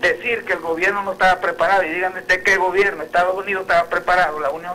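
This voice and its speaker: A high-pitched man's very fast speech amid noticeable background noise. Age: 60s. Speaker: lawyer. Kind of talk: heated debate. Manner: animated.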